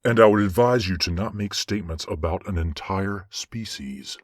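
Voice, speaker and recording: Low male voice actor as a stern, fair archangel judge, formal and measured, fantasy audio drama, close dry sound. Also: no echo. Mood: stern questioning.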